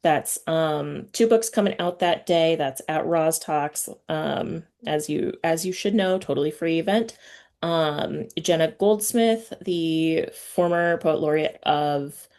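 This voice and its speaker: A woman hosting a podcast, talking in an informal, halting, slangy way through chat and announcements. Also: sits low, a little mellow. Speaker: podcast host. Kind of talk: casual chatty interview and announcements.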